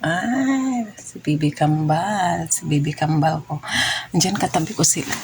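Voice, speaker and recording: With lively intonation and a very deep, low pitch, a woman speaks at a fairly slow pace over noticeable background noise. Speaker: vlogger. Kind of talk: casual vlog monologue.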